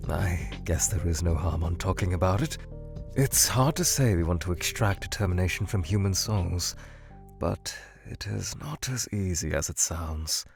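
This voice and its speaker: A man's voice: deep voice, vocal fry. A man voicing a formal, eccentric male monster scientist who murmurs in a whispery, theatrical way and breaks into panicked outbursts. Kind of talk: fan-made ask-series voice acting. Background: music.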